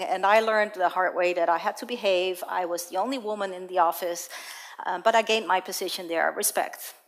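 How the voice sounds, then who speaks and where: A woman from the Netherlands giving a prepared talk on stage, telling personal stories about her life. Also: on the low side. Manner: personal, storytelling, lively anecdotes. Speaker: speaker. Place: auditorium stage.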